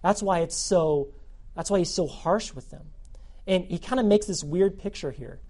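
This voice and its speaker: A youth pastor with a high voice preaches a sermon to students at normal speed, animated and repeating phrases for emphasis.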